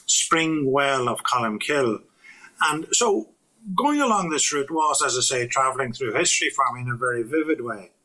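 An older Irish man speaks to a webcam in a small curtained room, giving a talk on local history. His tone is bright and clear. He pauses often and restarts his sentences in a thoughtful, unhurried way. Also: mid-range voice, low-quality recording. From Ireland. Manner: reflective, hesitant with frequent fillers and restarts. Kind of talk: recorded talk to camera.

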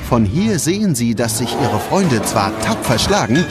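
A man's voice: mid-range voice, big pitch swings, measured pace. A man narrates a scripted audio play for children. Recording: music under the voice. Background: prominent music.

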